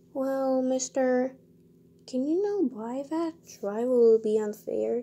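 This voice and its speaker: Using a whiny, put-on character voice, a woman talks at a fairly slow pace in a high pitch. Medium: read story. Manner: nervous, whiny.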